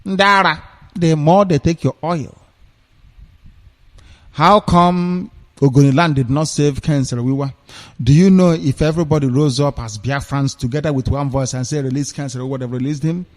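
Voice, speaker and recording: A man's voice: a little high, moderate pace, darkish tone, in a large hall. Scornful Nigerian man on a radio broadcast. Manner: scornful, mocking, rhetorical questions. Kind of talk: reading news aloud with heated commentary.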